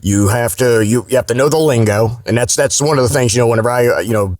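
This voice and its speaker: A man's voice: medium pitch, fast talker, darkish tone, no echo. A man speaking as a guest voice actor in a casual, rambling interview. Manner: rambling, conversational, says "you know" often.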